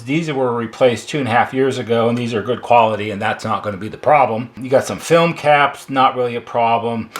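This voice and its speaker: An American man giving an informal, hands-on repair walkthrough as a technician, explaining step by step in a conversational way. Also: mid-range voice. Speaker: electronics repair technician demonstrating.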